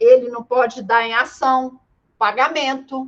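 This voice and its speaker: Her pitch is high. The woman talks at a fairly slow pace. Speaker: law professor. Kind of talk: lecture.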